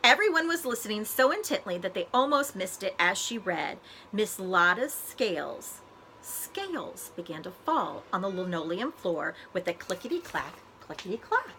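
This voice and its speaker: Female storybook reader, librarian type; bright, expressive, animated delivery, some noise behind her. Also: medium pitch, low-quality recording. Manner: expressive, deliberate phrasing for children. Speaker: school librarian reading aloud to students. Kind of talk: animated children's storybook read-aloud.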